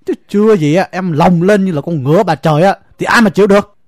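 A man's voice: sits high, quick pace, no echo, studio quality. A man playing a flustered, pleading husband. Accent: Southern Vietnamese. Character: harried timid husband caught between two women. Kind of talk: audio drama acting.

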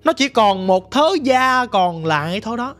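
A woman's voice: fairly high pitch, expressive, measured pace, fairly bright tone, faint music behind. A woman with a Southern Vietnamese accent telling her ghost story in a vivid, dramatic, casual way, talking straight to the listener. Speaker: storyteller guest.

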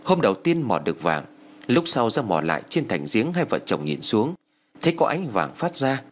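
A man reading a ghost story aloud in a dramatic, expressive way. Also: mid-range voice, normal speed. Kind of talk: scripted story narration. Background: faint music.

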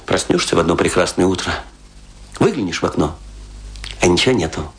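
Wildly swooping, tipsy Russian intellectual. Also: male voice, low voice, expressive, brisk. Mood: mournful, ironic. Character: tipsy, rueful, self-mocking Russian intellectual, an ageing man. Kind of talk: theatrical dramatic monologue.

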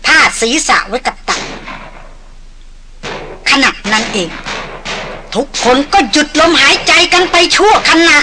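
A woman's voice: sits high, very animated, slow pace, pauses often, background noise. A woman narrating a novel with dramatic, vivid delivery. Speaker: audiobook narrator. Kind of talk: novel reading.

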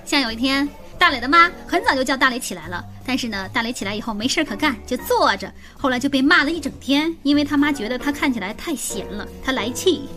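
Bright-pitched woman radio host with a lively storytelling delivery and music underneath. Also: fast talker, hardly any pauses. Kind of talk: radio comedy chat. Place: radio studio.

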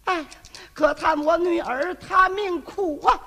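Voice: very high-pitched, takes it slowly, bright, forceful tone, long reverb tail, pitched above the performer's own voice, exaggerated voice. A storyteller voicing the Bone Demon disguised as a grieving old woman, wailing and sly, in a traditional storytelling performance. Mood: sly, lamenting.

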